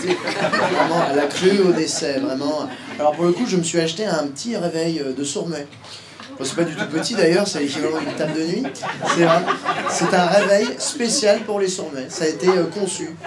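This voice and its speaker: A man's voice: a little high, a little fast. A man doing live stand-up in a comedy club, playful and teasing, with many fillers, as he banters with the crowd. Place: comedy club stage before an audience. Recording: loud noisy live club recording. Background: audience laughter.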